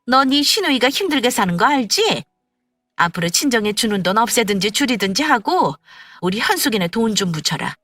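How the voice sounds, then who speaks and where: A woman voicing an overbearing older mother-in-law with a sharp, piercing voice and a scolding manner. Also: a little high, very animated, brisk, no echo, studio quality, soft background music. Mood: demanding. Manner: scolding, demanding.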